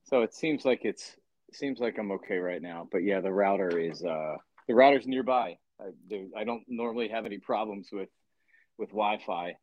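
A man's voice: fairly low pitch, dry recording, muffled recording. A man in his fifties, a podcast guest on a remote call, talking casually with frequent restarts and repeated words. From Philadelphia area. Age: 50s. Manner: halting, repeats words, opinionated.

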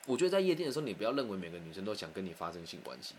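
Guy telling a personal story, fast and chatty, kinda low voice. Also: a little hiss or hum. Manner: animated, candid, conversational.

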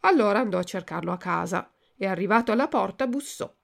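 A woman narrating a children's storybook in a measured, expressive way. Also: mid-range voice, gravelly. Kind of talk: storybook reading.

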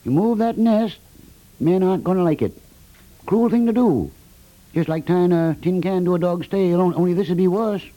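Actor as a high-voiced, folksy American contractor. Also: male voice, normal speed, warm tone, natural voice, poor audio. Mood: mournful. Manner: laconic, folksy, drops words, guilt-tripping. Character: stolid, folksy building contractor, sentimental about birds. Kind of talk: 1950s radio comedy acting. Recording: 1950s radio recording.

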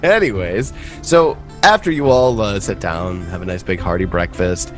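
A man's voice: deep voice, normal speed, soft background music. A man running a tabletop role-playing game as game master, with rambling narration full of fillers.

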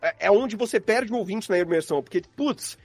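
A man's voice: high voice, lively intonation, brisk, no room sound, faint music behind. A Brazilian man explaining things in casual, rambling, slangy conversation, like a guest on a podcast. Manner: informal, rambling, uses slang.

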